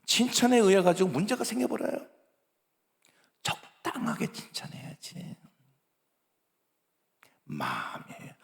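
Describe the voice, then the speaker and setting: A middle-aged male pastor preaching a sermon, dropping to hushed whispers and rising to loud, pleading emphasis. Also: sits high, huge pitch swings, measured pace, gravelly, pauses often. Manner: acts out parents scolding children. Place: church sanctuary. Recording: long church hall reverb.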